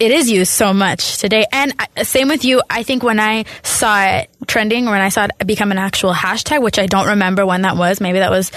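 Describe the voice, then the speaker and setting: A woman's voice: mid-range voice, a bit bright, no room sound. A woman in her twenties co-hosting a podcast, chatting casually in a self-mocking way and laughing often. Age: 20s. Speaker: podcast co-host. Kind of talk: casual chat.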